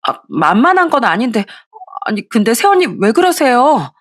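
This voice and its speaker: A woman voicing a lazy, spoiled young sister-in-law in a told story, speaking in a high, whiny, petulant voice. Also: very animated, moderate pace.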